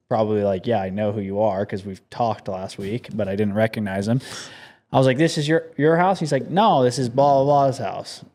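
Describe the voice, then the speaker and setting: A young man with a voice of ordinary male pitch rambles easily through his stories. He co-hosts a podcast and keeps the chat loose and informal. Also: a little mellow. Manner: laid-back, rambling anecdotes. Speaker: podcast co-host. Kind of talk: casual chat.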